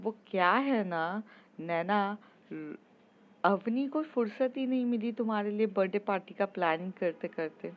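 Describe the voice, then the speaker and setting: A woman's voice: medium pitch, unhurried, highs cut off, lightly acted. A woman voicing Rohit, a chatty young man who rambles and jokes. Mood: joking. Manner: rambling, joking.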